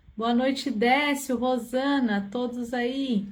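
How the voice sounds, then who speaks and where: Soft-spoken, a woman talks in a warm tone at a fairly high pitch. An audible room echo surrounds her voice. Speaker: spiritist study group leader. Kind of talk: livestream welcome and announcements. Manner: warm, friendly.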